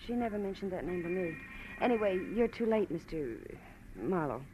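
A woman's voice: lowish voice, lively intonation, normal speed, mellow, faint music behind, close to an everyday voice. An actress playing a guarded young woman with a secret in a 1940s radio drama, speaking hesitantly. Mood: wary, evasive. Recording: faintly noisy vintage radio recording.

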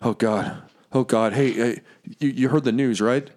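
A man voicing a frantic, jittery male soldier high on stimulants, stammering and repeating himself in a panic. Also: a little slow, darkish tone, close to an everyday voice. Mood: manic.

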